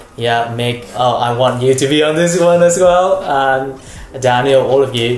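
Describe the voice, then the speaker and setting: Speaking at a fairly slow pace, a man with a medium-pitched voice and ordinary pitch variation is heard with audible room echo and noticeable background noise. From Vietnam. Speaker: master's student and vlogger. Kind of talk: casual chat. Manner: halting.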